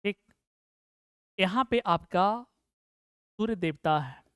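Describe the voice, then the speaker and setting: A man teaches physics for a board exam. He keeps throwing questions at his students and answering them himself, and slows down to repeat terms for notes. His voice is smooth and clear, recorded dry and close. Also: high voice, no echo. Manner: asks the class a question, then answers it himself; repeats key terms slowly for dictation. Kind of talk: exam-prep physics lesson.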